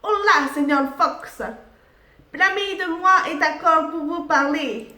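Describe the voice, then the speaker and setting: A man's voice: extremely high pitch, takes it slowly, bright, forceful tone, echoey room, pitched above the performer's own voice, full character voice. A woman voicing a friendly foreign man who speaks broken French sprinkled with Spanish words in a narrated mystery game. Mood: earnest.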